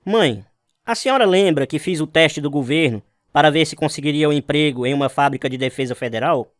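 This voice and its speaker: A man's voice: on the high side, brisk, no echo, clean studio sound, lightly acted. A man playing an earnest young Christian, narrating his testimony sincerely in a radio drama. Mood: earnest, wondering. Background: music.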